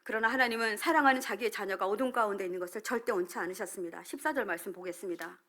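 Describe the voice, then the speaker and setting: A middle-aged woman pastor giving a sermon with a personal testimony, moving between loud emphasis and hushed whispered asides. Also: medium pitch, rapid-fire.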